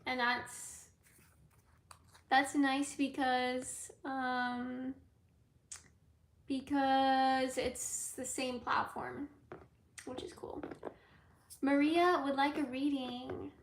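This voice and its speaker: Slow, high-voiced woman in an echoey room. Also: little pitch movement. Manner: rambling, laid-back, with frequent fillers. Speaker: tarot reader and YouTuber. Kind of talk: live Q&A chat with viewers.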